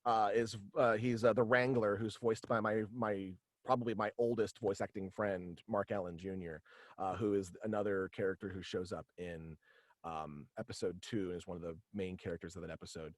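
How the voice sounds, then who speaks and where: A man's voice: fairly low pitch, fairly even intonation, moderate pace, dry recording. Rambling young man in a dry room. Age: young adult. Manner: rambling, frequent "like". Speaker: guest, voice actor and writer. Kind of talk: casual interview chat. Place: small room at home, on video call.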